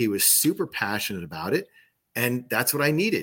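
Very wide swings in pitch and vocal fry in a man's voice. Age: 50s. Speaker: leadership trainer and coach. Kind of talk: interview conversation.

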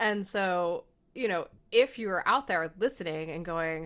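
The tone is bright and sharp, with lively intonation at a very slow pace. The recording is very clean, with a silent background. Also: woman. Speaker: podcast co-host and interviewer. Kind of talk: casual chat. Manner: animated, enthusiastic.

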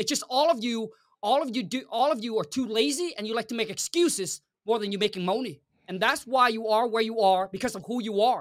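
A man with a Vietnamese accent talks at a very fast pace in an extremely high pitch. His tone is animated, with ordinary pitch variation. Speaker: real estate wholesaler. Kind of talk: interview.

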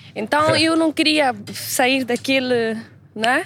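High pitch from a woman, varying in an ordinary way. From Mozambique. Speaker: green entrepreneur. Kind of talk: podcast interview. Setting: outdoors.

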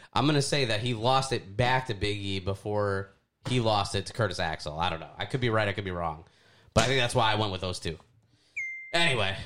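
A man talks at a fairly quick pace in a fairly low pitch with ordinary pitch variation. It is a plain, everyday voice. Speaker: co-host. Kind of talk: casual banter.

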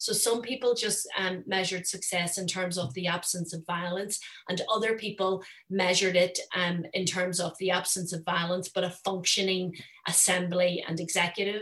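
A woman speaks in a Northern Irish accent with a medium pitch. Her pace is moderate and her intonation fairly even. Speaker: professor. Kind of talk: panel discussion. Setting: video call.

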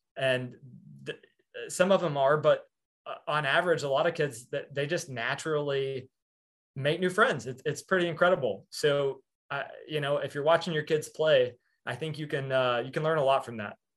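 In a Tennessee accent, a man talks at a fairly high pitch. His speech has long, frequent pauses. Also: ordinary pitch variation, moderate pace. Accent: Southern US (Tennessee). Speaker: real estate agent, team leader. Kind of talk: webinar presentation.

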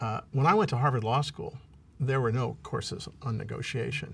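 A man speaks with an American accent and a plain, everyday voice. His pitch is medium with ordinary variation, and his pace is fairly quick. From US Midwest, Kansas City. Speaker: law professor. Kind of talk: interview.

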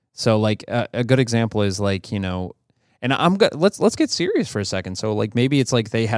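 A man speaks at a very fast pace with a fairly low pitch and ordinary pitch variation. The recording is very clean, with a silent background and a dry, close sound with no echo. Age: 40s. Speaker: church podcast host. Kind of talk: casual chat.

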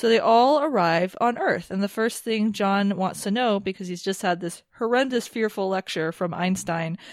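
A woman talks at a moderate pace and medium pitch, with ordinary pitch variation and an ordinary speaking voice. The recording is very clean, with a silent background. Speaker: podcast co-host. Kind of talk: casual podcast discussion of a TV episode.

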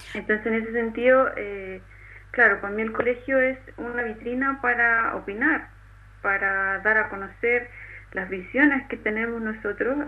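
With a plain, everyday voice, a woman speaks at a fairly slow pace and a fairly high pitch, her intonation fairly even. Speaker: forestry researcher. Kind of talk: radio interview.

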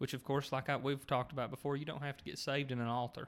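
This man's voice has a bright, sharp tone and a fairly high pitch. He talks with a Southern US accent. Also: very clean recording, silent background. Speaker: podcast host. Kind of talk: religious discussion.

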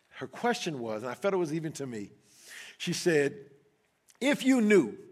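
Sounding animated, a man with a fairly high pitch swings his voice very widely up and down on a very clean recording with a silent background. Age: 50s. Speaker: pastor. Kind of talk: sermon.

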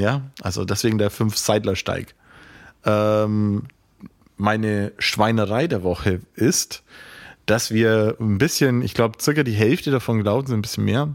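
A man with an unremarkable speaking voice talks at a fairly slow pace with a fairly low pitch and ordinary pitch variation, in a very clean recording over a silent background. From Bavarian Swabia, Germany (near Augsburg). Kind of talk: casual chat.

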